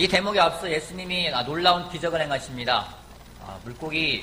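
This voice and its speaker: Moderate pace amid noticeable background noise and audible room echo. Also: man. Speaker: pastor. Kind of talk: sermon. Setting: church.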